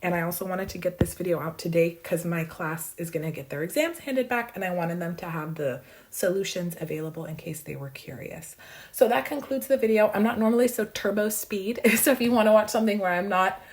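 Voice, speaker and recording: A woman math professor losing her voice, hoarse but brisk and bubbly as she rushes through exam solutions with playful asides. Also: lowish voice, a little mellow. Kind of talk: fast exam walkthrough.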